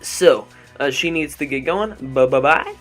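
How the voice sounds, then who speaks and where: A young man talks over his gameplay into a desk mic, rambling and joking with plenty of ums along the way. His voice sits at an ordinary middle pitch. Soft background music plays quietly underneath. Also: moderate pace. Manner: chatty and jokey, lots of ums. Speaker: let's play host. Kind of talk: gameplay commentary. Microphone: desk microphone. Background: faint background music.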